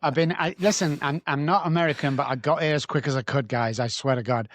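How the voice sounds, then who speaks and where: A man's voice: on the high side, quick pace, no room sound. A man in his sixties from Manchester with a northern English accent, chatting as a podcast guest in a blunt, joking, cocky way. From England. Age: 60s. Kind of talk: casual podcast chat.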